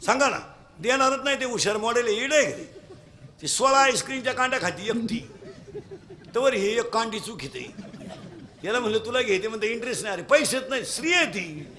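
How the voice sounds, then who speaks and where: A man preaching a kirtan sermon, with a high, bright, sharp voice. He talks in a lively, mocking way and keeps slipping into other people's voices. A faint hum of background noise sits under him. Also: fairly quick, pauses often. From Maharashtra. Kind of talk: humorous devotional kirtan sermon.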